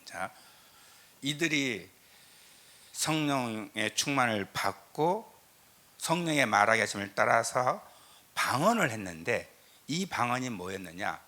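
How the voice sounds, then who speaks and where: Emphatic Korean pastor with southern lilt. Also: male voice, mid-range voice, big pitch swings, unhurried, pauses often, sharp tone. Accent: southern Korean regional lilt. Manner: emphatic, rhetorical questions, frequent "eo" fillers. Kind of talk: lecture sermon with scripture reading. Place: church sanctuary.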